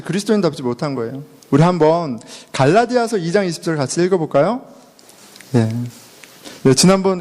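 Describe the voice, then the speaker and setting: Lively middle-aged pastor in a reverberant church. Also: male voice, sits high. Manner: chatty, self-deprecating, laughs often, mixes in English words. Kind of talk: conversational sermon. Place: church sanctuary.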